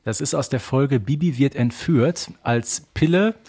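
A man's voice: mid-range voice, measured pace, a little mellow, breathy edge. A man co-hosting a playful fan quiz, chatting casually. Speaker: podcast co-host and radio play expert. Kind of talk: playful quiz chat between fans.

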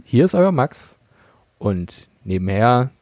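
A man's voice: medium pitch, very animated, takes it slowly, a little mellow, dry recording, clean studio sound. A man hosting a casual podcast with two friends, teasing and chatty as he moderates. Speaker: podcast host.

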